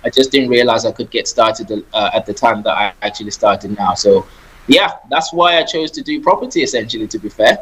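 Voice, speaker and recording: A man's voice: lowish voice, fairly quick, a bit bright, slightly rough, poor audio. A man from Zimbabwe, a guest on a radio interview, talking about his work in a friendly, easygoing way. He laughs now and then and repeats words as he goes. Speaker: guest, property investor.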